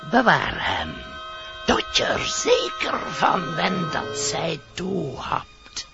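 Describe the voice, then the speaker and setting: A cryptic sorcerous figure in a theatrical radio play. The creaky voice swoops wildly and speaks slowly, like an incantation. Music plays behind the muffled recording. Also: medium pitch, wildly swooping pitch, exaggerated voice. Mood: grandly sinister. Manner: incantatory, slow, grandly dramatic. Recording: dull old radio recording.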